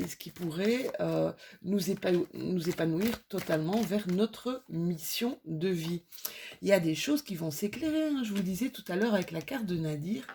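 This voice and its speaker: A woman's voice: on the low side, gravelly, warm tone, slight background noise. A woman with a slight cold giving an intuitive card reading to her viewers in a soothing, reassuring way, with many fillers and restarts. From France. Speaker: tarot card reader.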